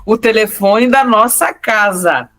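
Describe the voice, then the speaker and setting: A young woman with a Brazilian Portuguese accent, co-hosting a podcast and telling a story in a casual, animated way with frequent laughter. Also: mid-range voice, takes it slowly, faint music behind. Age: young adult. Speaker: podcast co-host.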